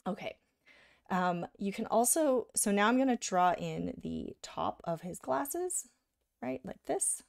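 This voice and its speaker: Woman, art teacher, slightly hoarse, gravelly, casual explaining, dry close sound. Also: mid-range voice, lively intonation, takes it slowly, darkish tone, no room sound. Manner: casual, explains while drawing, says "right?" often. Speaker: art instructor. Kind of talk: live drawing tutorial.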